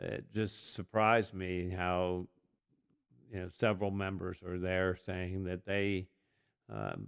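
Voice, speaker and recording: A man's very deep, low voice at a very slow pace, dry and close with no echo. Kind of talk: interview. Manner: halting.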